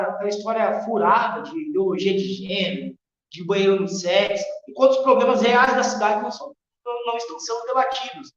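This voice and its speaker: A Brazilian man with a high-pitched voice talks politics as a podcast guest. His delivery is earnest and emphatic, full of firm opinions. The sound is heavily echoey and reverberant, with a dull, muffled tone. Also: fairly bright tone. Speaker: interview guest, lawyer. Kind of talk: political discussion in a podcast interview.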